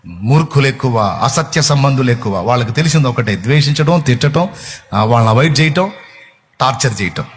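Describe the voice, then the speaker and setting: A man's voice: medium pitch, expressive, a little fast. A man preaching a sermon with passion, firing off rhetorical questions at his listeners. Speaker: pastor.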